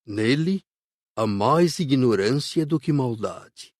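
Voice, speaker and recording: A man acting as a kindly spirit counselor from an audiobook, courteous and patient. His middle-pitched voice explains things in measured phrases, recorded close and dry. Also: animated, no room sound. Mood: calm, patient. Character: gentle, patient male spirit counselor guiding visitors. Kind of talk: audiobook character dialogue.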